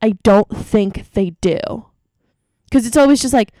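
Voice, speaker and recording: A woman's voice: a little high, a little slow, dark tone, dry recording, studio quality. A young woman from the Philadelphia area co-hosting a podcast, bluntly and playfully setting her friend straight. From Philadelphia area, USA. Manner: teasing, blunt, matter-of-fact. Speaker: podcast co-host. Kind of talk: casual chat.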